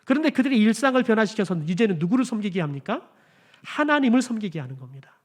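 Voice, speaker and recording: Korean pastor guy preaching sunday service, high voice, super lively delivery, keeps asking the congregation questions then answering them. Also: fast. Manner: addresses the congregation often as "여러분", asks questions and answers them himself; swings between emphatic and hushed phrases. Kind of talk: sermon. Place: church sanctuary.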